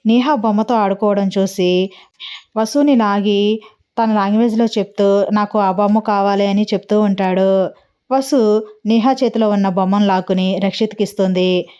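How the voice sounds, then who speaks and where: A woman narrating a fan story in a calm, even storytelling manner. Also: mid-range voice, normal speed, clear, resonant tone, dull audio.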